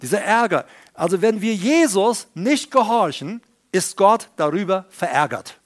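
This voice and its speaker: A man's voice: sits high, lively intonation, unhurried. A middle-aged male pastor preaching a sermon with emphasis, stopping often to explain Greek words.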